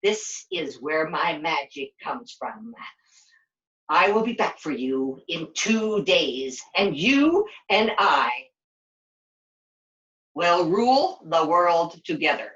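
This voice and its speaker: A woman's voice: low-pitched, sing-song, slow pace, fairly bright tone, lo-fi sound, exaggerated voice. A woman voicing a vain, scheming evil queen in a puppet show, theatrical and gloating, with cackles. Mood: sly, conspiratorial. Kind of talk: live puppet show villain.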